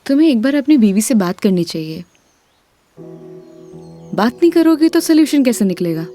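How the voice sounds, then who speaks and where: A woman's voice: fairly high pitch, sing-song, normal speed, dark tone, faint music behind. An actress playing a chatty, playful woman who asks curious questions.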